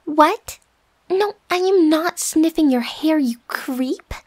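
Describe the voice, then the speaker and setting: A woman acts out a young tsundere roommate in an ASMR roleplay, her voice set high. She is huffy and bossy, quick to get defensive, with a secret soft side and breathy whispered asides. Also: lively intonation. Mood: flustered, indignant.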